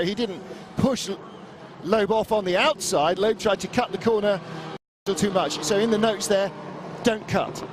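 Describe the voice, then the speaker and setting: A man giving live motorsport commentary as a race commentator, describing the action emphatically with repeated phrases. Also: sits high. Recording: loud car and engine noise behind.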